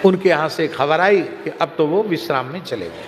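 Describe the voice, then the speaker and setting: In a reverberant hall with faint noise, a man speaking a little high and at normal speed delivers a katha discourse. He engages his listeners through storytelling and lively anecdotes.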